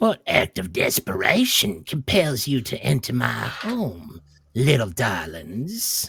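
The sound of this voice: A man puts on a character voice at a medium pitch. His pace is fairly slow.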